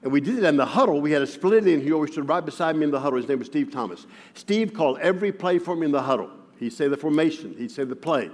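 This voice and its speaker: A man preaching, stuttering and repeating his words as he goes. His voice sits a little high for a man, and his self-mocking humor keeps breaking through. The sound carries the long reverb of a large church hall. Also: animated, fast talker, few pauses, a little mellow. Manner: self-deprecating humor, chuckling as he talks. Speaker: guest preacher. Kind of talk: sermon with personal storytelling. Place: church sanctuary.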